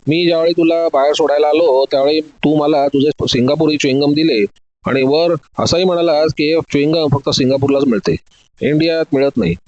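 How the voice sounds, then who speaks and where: A man voicing a calm, confident male detective who lays out his case methodically in an audio story. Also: on the high side, fairly quick, no room sound, lo-fi sound, close to an everyday voice. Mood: accusing.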